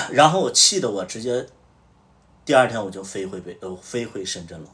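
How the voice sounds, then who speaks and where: A man's voice: fairly low pitch, expressive, fairly quick, a bit bright, recorded from a distance. A man hosting a livestream, casually telling a story and acting out what each person said. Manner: recounts events through reported dialogue. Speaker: livestream host.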